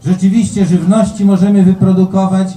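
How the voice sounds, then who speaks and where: With audible room echo and light background noise, a man talks at a moderate pace. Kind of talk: public speech. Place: open country.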